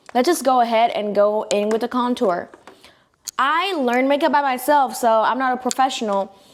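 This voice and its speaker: This woman's voice is high-pitched. It shows ordinary pitch variation. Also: moderate pace. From Vietnam, Hue. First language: Vietnamese. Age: 20s. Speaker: beauty and fitness vlogger. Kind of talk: chatty makeup tutorial with Q&A. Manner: casual, chatty.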